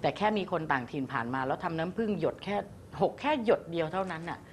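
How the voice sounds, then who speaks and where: A middle-aged woman head teacher lecturing her students in a classroom, gently and politely, calling them her children. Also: low voice, lively intonation, fast talker, a little hiss or hum.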